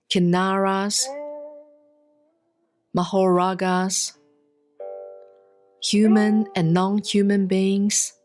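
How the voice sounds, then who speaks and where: A woman reads Buddhist scripture as a monastic, in a solemn, measured and deliberate scripted style with pauses between phrases. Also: mid-range voice. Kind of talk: solemn scripted sutra recitation, audiobook-like reading. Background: soft plucked guitar-like music.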